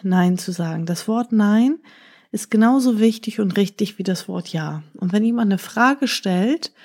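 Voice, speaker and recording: Brief: woman storyteller for kids, reads the tale, then explains it simply and directly. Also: medium pitch. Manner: warm-hearted, plainly explaining to children, with fillers. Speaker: children's podcast host and storyteller.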